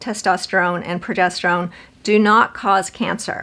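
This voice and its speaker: The woman's tone is bright and sharp. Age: 50s. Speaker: physician and show host. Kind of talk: call-in health advice show.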